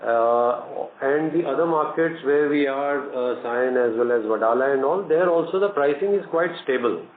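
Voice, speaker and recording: An Indian-accented male company executive answering earnings-call questions in a measured, halting, businesslike way over a conference phone line. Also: medium pitch. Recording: echoey tinny conference phone line, noisy.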